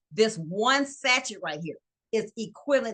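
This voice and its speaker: Her voice is fairly high, bright and sharp, as this woman speaks in an animated tone with lively intonation. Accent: American. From Louisiana. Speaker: network marketing presenter. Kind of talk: sales pitch.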